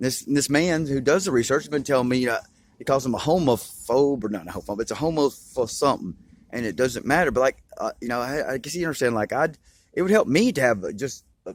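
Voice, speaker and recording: A man talks at a very fast pace with medium pitch and lively intonation. The recording is very clean, with a silent background. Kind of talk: casual monologue. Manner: halting.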